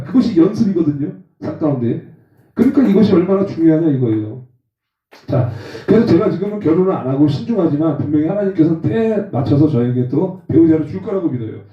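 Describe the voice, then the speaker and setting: A man in his forties preaching a testimony sermon, lively and acting out rough quarrels in slang. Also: a little high, fast talker. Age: 40s. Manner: animated, acts out rough phone quarrels with slang. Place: church hall. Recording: roomy, distant, dull sound.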